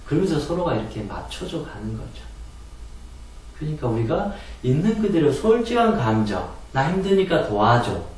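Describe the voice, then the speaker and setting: A man giving a spoken lecture on calming anger through meditation, earnest and explanatory, often asking rhetorical questions. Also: fairly high pitch, moderate pace. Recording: very echoey room, distant mic.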